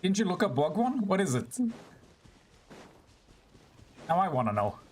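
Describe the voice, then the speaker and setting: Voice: medium pitch, very animated, fast, darkish tone, slight background noise. A streamer giving casual gameplay commentary, chatting with viewers between frustrated yelps and swearing.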